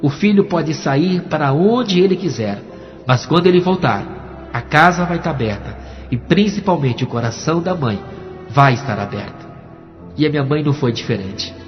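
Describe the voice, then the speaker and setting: A pastor gives his testimony with dramatic storytelling, moving between hushed and emphatic. His voice sits slightly high. It carries a long hall echo with a dull, muffled tone, and soft music plays beneath. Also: lively intonation, moderate pace. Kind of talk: preached testimony. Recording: echoey, dull, music underneath.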